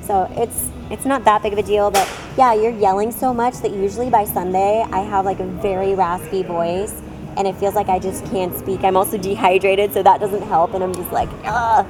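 A woman in casual conversation, describing her work at a loud pool club in a relaxed, chatty way. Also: mid-range voice, moderate pace, over music. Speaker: pool club worker, guest. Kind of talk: casual chat.

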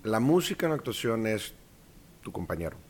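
A man with a Mexican accent, a guest actor in a casual interview, telling animated stories and acting out quoted voices. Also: fairly low pitch, normal speed, slightly rough, soft background music.

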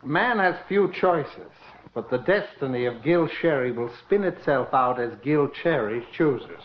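An actor playing a haughty, disdainful jailed suspect. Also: male voice, mid-range voice, lively intonation, measured pace, a little hiss or hum, natural voice. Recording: muffled old radio broadcast.

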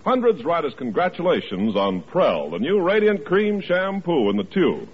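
A man's voice: fairly high pitch, wildly swooping pitch, normal speed. A man announcing and reading advertising copy in a 1940s radio style. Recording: muffled 1940s radio recording.

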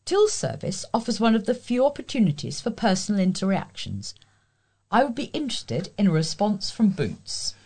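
A woman's voice: medium pitch, sing-song, moderate pace, darkish tone, slightly rough. A woman with a British accent reading scripted local news and letters as a volunteer newsreader. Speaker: volunteer newsreader for a talking newspaper.

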